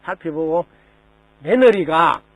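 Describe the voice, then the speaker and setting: A man's voice: fairly high pitch, expressive, slow pace, a bit bright, dry recording, rough recording. A man, a Buddhist monk, giving a dharma talk to lay listeners, telling stories with rhetorical questions and mimicking the people in them.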